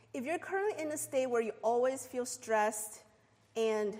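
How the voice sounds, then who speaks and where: Here a woman with a plain, everyday voice talks at a fairly high pitch and a moderate pace. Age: 30s. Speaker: pastor's wife giving a sermon. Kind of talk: sermon.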